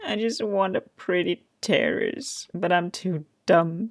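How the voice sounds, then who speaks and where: In a put-on character voice, a woman whines along at a fairly slow pace with a whiny tone and a medium pitch. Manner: fake crying, whiny.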